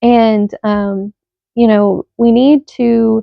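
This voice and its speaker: This woman has a medium pitch. She talks with a Southern US accent. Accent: Southern US country. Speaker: crochet vlogger. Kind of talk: casual chat.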